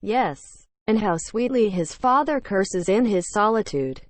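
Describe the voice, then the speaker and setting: A woman voicing a passionate, willful young gentlewoman in a storybook, impetuous and declamatory. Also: medium pitch, animated, unhurried, no room sound, lightly acted. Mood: gloomy insistent.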